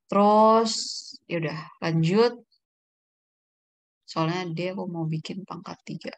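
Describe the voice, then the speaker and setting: A woman's voice: on the low side, slow. Casual woman tutoring math, thinking aloud. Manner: casual, thinks aloud, checks herself mid-formula. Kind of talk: online math lesson.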